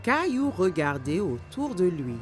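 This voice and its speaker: A woman's voice: lowish voice, sing-song, unhurried, music in the background. A woman reading scripted children's story narration as the storyteller of a cartoon.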